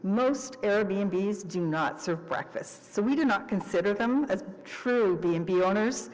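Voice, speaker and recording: A woman's voice: medium pitch, measured pace, a little mellow. A woman who runs a bed and breakfast, confidently explaining and clarifying points under questioning at a city committee. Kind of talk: public testimony Q and A. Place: city council committee chamber. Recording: reverberant council chamber.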